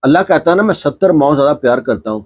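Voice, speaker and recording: A man's voice: fairly high pitch, animated, breathy edge. A man narrating a moral story in an earnest, heartfelt way, stepping into the characters' dialogue as he goes.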